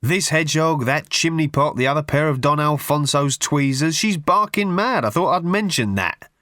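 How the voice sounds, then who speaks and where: A man's voice: fairly high pitch, lively intonation, moderate pace, fairly bright tone, no echo, clean studio sound, voice pushed up. A man reading aloud, voicing a brusque, dismissive brother who sounds fed up and impatient. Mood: exasperated. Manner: blunt, impatient, exasperated.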